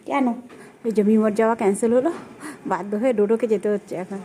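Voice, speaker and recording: Woman, home family vlogger; chatty running narration of chores, brisk delivery, mellow, slightly high. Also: slight background noise. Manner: chatty, narrating chores and meals as she goes. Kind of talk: casual home vlog chat.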